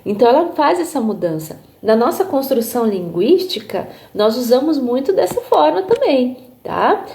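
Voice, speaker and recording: Speaking with a Brazilian Portuguese accent, this woman sits high in pitch and sounds mellow, very animated yet moderately paced. She's a music therapist lecturing live through a phone stream, acting out intonations vocally and adding small checks to the ends of her sentences.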